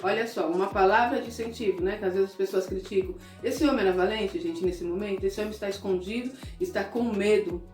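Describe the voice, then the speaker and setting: A woman's voice: medium pitch, fairly quick, few pauses, darkish tone, roomy sound, distant mic, faint music behind. A woman preaching a devotional sermon, earnest and full of rhetorical questions.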